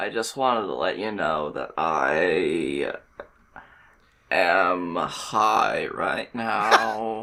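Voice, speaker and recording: Putting on a raspy character voice, a man speaks very slowly at a fairly low pitch. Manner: lazy, drawn-out, casually confessing.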